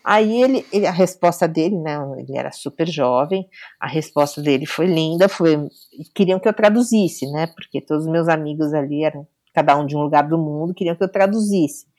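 A woman's voice: deep voice, a little fast. A middle-aged woman, a guest telling a personal story casually and acting out the dialogue. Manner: animated, acts out quoted dialogue.

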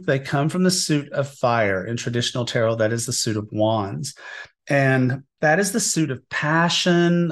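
A man hosting a tarot podcast, chatty and enthusiastic, a little sniffly and scratchy from a cold. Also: on the high side. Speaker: podcast host, tarot reader. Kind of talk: casual podcast talk.

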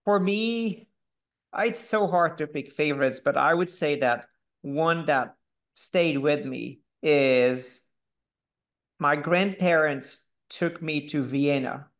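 A man in his fifties from Hungary, with a Hungarian accent, answering interview questions in a thoughtful, unhurried way with pauses. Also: fairly high pitch, a bit bright. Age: 50s. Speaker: guest. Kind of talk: conversational interview.

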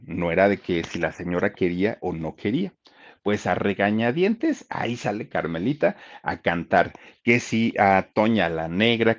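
A man telling a life story casually, talking right to his listeners. His voice sits low but moves with lively pitch. The recording sounds dull and lo-fi. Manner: chatty, addresses listeners, many fillers.

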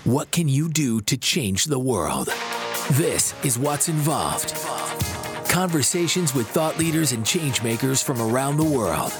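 A man's voice: medium pitch, very animated, measured pace. A man reading a scripted, dramatic intro for a podcast. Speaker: show intro announcer. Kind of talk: scripted promo voice-over. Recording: loud music bed under voice.

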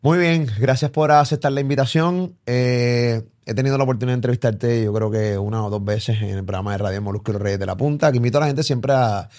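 A man's voice: mid-range voice, fast talker, hardly any pauses, darkish tone. Puerto rican guy hosting an interview, talks a lot, lots of fillers and wow moments, mid voice. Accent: Puerto Rican Spanish. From Puerto Rico. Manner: talkative, many fillers and restarts, exclamations. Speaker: radio and online show host. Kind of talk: casual interview.

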